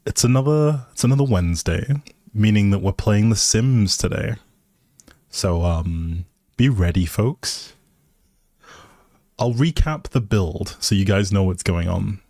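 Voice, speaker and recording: A man with a fairly low voice, recorded dry and close. He chats casually as a livestream host, with playful, teasing banter aimed at his viewers. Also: expressive, slow pace, long pauses, warm tone, no room sound.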